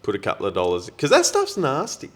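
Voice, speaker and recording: An Australian man co-hosting a podcast, telling anecdotes in casual chat with a blokey, slangy, animated manner. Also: mid-range voice, fast. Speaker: podcast co-host.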